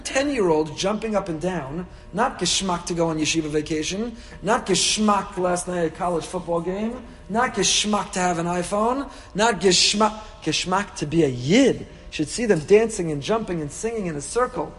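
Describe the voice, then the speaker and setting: A man's voice: sits high, normal speed, few pauses. A man with a Yiddish-inflected American Orthodox Jewish accent gives an impassioned, rhetorical sermon as a rabbi, sprinkling in Yiddish and Hebrew and repeating phrases for effect. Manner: animated, rhetorical repetition, peppers speech with Yiddish and Hebrew. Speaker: rabbi giving a Torah lecture. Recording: reverberant hall.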